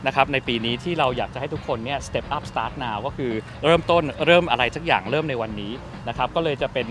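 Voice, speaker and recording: A middle-aged man speaking as a company representative in an outdoor press interview, measured and full of hesitant fillers. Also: mid-range voice, noisy background. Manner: measured, many fillers and polite particles. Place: outdoor park at an event. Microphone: press microphones held close.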